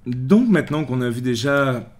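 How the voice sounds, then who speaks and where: French guy doing a software tutorial, chatty, talks you through every click, mid-pitched voice. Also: lively intonation, moderate pace. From France. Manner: chatty, many fillers and restarts, walks through each click. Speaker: tutorial host. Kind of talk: screen-recorded software tutorial.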